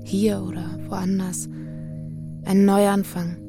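An actress playing a controlled woman who brings bad news, speaking in a measured radio drama style. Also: medium pitch, level tone, creaky, over music. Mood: dictating. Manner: measured, deliberate delivery. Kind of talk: radio drama acting with inner narration.

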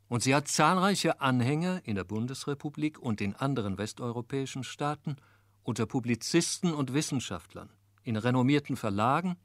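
A man narrating a scripted radio feature in a formal, measured way. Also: mid-range voice, dry recording, clean studio sound.

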